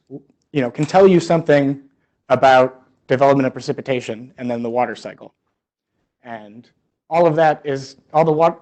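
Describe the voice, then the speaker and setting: A man's voice: mid-range voice, a little mellow. A man presenting research at an academic seminar in a conversational, explanatory way, often rewording his phrases as he thinks aloud. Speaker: research scientist giving a seminar talk.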